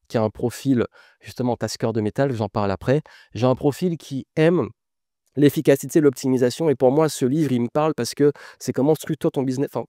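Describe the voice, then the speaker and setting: A man's voice: medium pitch, dark tone, no room sound, clean studio sound. A man, an author, casually explaining the ideas in his book to camera, enthusiastic and full of asides.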